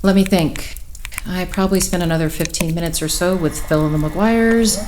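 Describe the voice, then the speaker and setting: A woman's voice: lowish voice, steady tone, moderate pace, noisy background, lightly acted. A woman playing an exasperated, sarcastic counselor in a naturalistic audio drama, with a snappy, sardonic way of talking. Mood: wry recollection.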